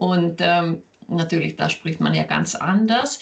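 A woman with a Finnish accent talks at a very slow pace. Her voice is somewhat breathy. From Finland. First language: Finnish (speaking German). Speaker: language teacher and podcaster. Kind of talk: casual interview. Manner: hesitant with many fillers.

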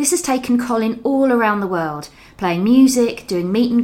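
Using a plain, everyday voice, a woman with a fairly high pitch talks at a moderate pace with lively intonation. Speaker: podcast host. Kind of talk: casual interview. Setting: in guest's home.

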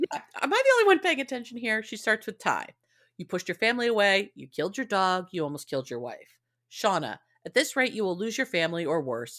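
A woman talks at a very fast pace with a fairly high pitch and vocal fry. Her pitch swings very widely and her loudness rises and falls sharply. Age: 50s. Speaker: podcast co-host guest discussing TV show. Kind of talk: casual chat recapping a TV episode.

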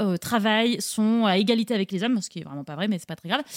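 A woman's fairly high pitch, an ordinary speaking voice with ordinary pitch variation, in a dry, close sound with no echo and a very clean recording against a silent background. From Paris region, France. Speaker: podcast producer. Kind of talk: casual chat.

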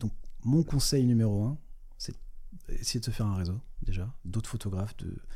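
A man speaks at a moderate pace with a dark, mellow tone. His voice is somewhat breathy, and his intonation stays fairly even. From Brittany, Finistère (Châteaulin). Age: 30s. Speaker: wedding photographer. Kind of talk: casual interview chat.

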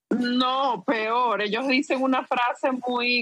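In a Caracas Venezuelan accent, a woman speaks very slowly at a high pitch with fairly even intonation. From Venezuela, Caracas. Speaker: podcast guest. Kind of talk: casual chat.

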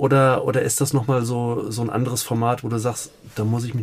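There is noticeable background noise as a man speaks with monotone, flat intonation. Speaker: podcast host. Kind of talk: casual interview. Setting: studio.

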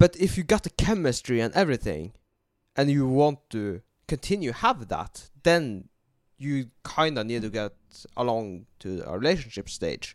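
Recorded very cleanly, dry and close with no echo and a silent background, a man with a Norwegian accent speaks at a moderate pace and medium pitch with very wide pitch swings. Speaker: podcast co-host, HVAC engineer. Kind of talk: casual chat. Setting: bar.

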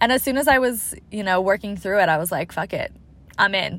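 A woman with a West Coast American accent talks at a medium pitch with lively intonation. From US Pacific Northwest, Seattle. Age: 20s. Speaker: fitness studio owner, podcast host. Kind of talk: casual solo monologue. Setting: in a car at the beach. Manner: relaxed with pauses.

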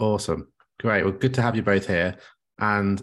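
A man with an unremarkable speaking voice talks at a moderate pace in a fairly low pitch. The background is quiet. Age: 30s. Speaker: podcast host. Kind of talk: casual chat.

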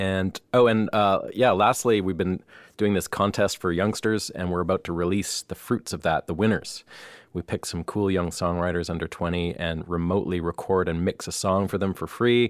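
At a moderate pace, a man with a very deep, low pitch speaks with fairly even intonation, recorded dry and close with no echo on a very clean, silent background. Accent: Canadian. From Canada, Vancouver. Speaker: podcast host and musician. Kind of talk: casual interview. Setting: studio.

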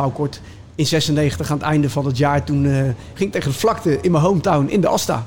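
His voice comes across somewhat breathy. The man keeps a moderate speed, and his pitch varies in a normal way. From Netherlands, The Hague. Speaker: zen teacher and former hardcore DJ. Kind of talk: casual interview. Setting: cafe studio.

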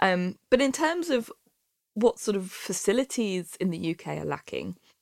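Lively intonation marks a woman's voice, heard with a dry, close sound with no echo. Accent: British. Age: 30s. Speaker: podcast host and drug researcher. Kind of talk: casual solo chat answering listener questions.

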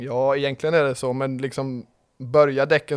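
This fairly quick, monotone, flat delivery sits on a very clean recording with a silent background. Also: man. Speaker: drag racing driver and crew member. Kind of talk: casual chat.

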